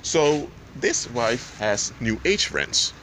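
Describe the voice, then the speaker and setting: A man giving a spoken Christian teaching in a loud, emphatic voice, pausing and restarting as he walks outdoors. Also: medium pitch, big pitch swings. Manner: halting, with restarts and fillers. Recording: reverberant with loud traffic noise.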